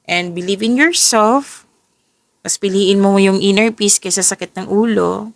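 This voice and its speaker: A woman talks through a tarot reading, her voice a little worn and tired today. Her tone has a gravelly, creaky texture, recorded close and dry. She keeps catching herself and rephrasing as she goes. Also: mid-range voice, a little slow, dry recording. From Philippines. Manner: self-correcting, restarts and rephrases as she goes. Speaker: tarot reader. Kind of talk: casual tarot reading, mixing English and Tagalog.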